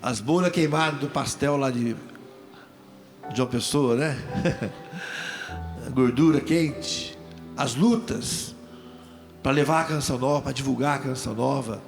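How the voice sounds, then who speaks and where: An older Brazilian man, a deacon, giving a lively testimony to a live audience, telling stories and joking with the crowd. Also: mid-range voice, takes it slowly, long pauses, faint music behind. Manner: lively storytelling, jokes and asides to the crowd.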